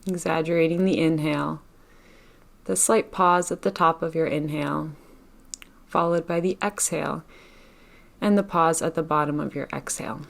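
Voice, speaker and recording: A woman leading a guided meditation in a gentle, unhurried manner, leaving long pauses between phrases. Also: low-pitched, steady tone, gravelly. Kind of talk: guided meditation, live session.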